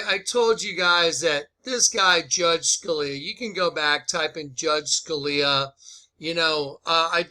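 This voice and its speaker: A man's voice: high-pitched, sharp tone. A man hosting informal opinionated commentary, speaking in an emphatic, repetitive, accusatory way. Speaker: video host and commentator.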